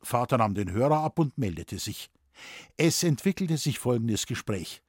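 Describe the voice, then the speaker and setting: A Bavarian-accented man narrating an audiobook at a middling pitch. His voice is husky and recorded dry and close, with a relaxed, wry telling. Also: normal speed, no room sound. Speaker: audiobook reader.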